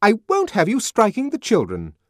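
A man's voice: on the high side, wildly swooping pitch, measured pace, dry recording, studio quality, pitched above the performer's own voice. A man voicing a fierce, truculent woman head nurse in an audiobook, scolding and bossy.

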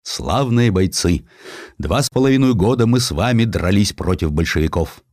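A man's voice: fairly low pitch, lively intonation, normal speed, darkish tone, no echo, studio quality, natural voice. A man voicing a hardened, proud Cossack warlord in an audiobook, with a weighty, declamatory manner. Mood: solemn, commanding.

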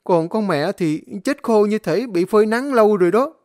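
A man's voice: sits high, animated, normal speed, no room sound, studio quality, pitched above the performer's own voice. A man voicing a terrified young male servant who stammers and pleads, in a spoken horror story. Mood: frightened.

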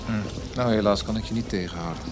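An actor playing an earnest, formal young Viennese writer in a Dutch radio drama, speaking in a measured, hesitant way. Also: male voice, lowish voice, lightly acted. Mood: concerned, dry.

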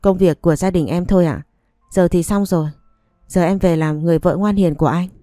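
A woman's voice: on the low side, steady tone, fairly quick, warm tone, no echo, studio quality, faint music behind, natural voice. A woman reading a sly, pleading young wife. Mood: coaxing. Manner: coaxing and pleading. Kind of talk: audiobook story reading.

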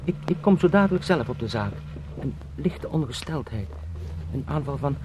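An actor in a radio drama playing an anxious travelling salesman turned beetle, pleading and eager to please in halting, formally polite speech. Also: medium pitch, lively intonation, close to an everyday voice. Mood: flustered. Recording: clearly noisy radio play sound.

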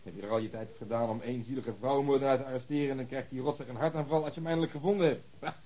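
An actor playing a blunt, sardonic police detective with a rebellious streak in a radio drama. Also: male voice, mid-range voice, steady tone, rapid-fire, warm tone, natural voice. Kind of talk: naturalistic radio drama dialogue.

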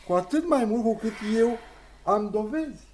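A woman's voice: fairly high pitch, expressive, a little mellow, a little hiss or hum, close to an everyday voice. A woman playing a nervous, hypochondriac young landowner who stammers and protests in a read-through of a stage play. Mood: stubborn. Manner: flustered, stammering, quick to protest.

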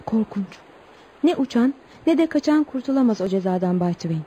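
A woman's voice: fairly high pitch, animated, moderate pace, mellow, a little hiss or hum, natural voice. An actress playing an earnest young tribal woman who tells her story politely but with indignation in a Turkish radio play. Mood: grave, bitter. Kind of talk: Turkish radio theatre acting.

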